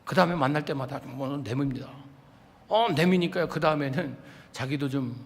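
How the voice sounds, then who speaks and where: A man's voice: medium pitch, normal speed. Male pastor preaching in an echoing sanctuary. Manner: dramatic, swings from loud to hushed, acts out prayers. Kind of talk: sermon. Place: church sanctuary. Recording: reverberant church sanctuary.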